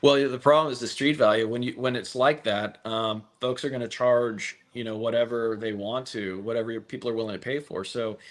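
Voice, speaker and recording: Guy from a gun maker rambling through answers on a live stream, restarts a lot, normal pitch. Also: steady tone, brisk, few pauses. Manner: talkative, explains at length with many restarts. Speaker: firearms company representative. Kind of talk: conversational interview answers.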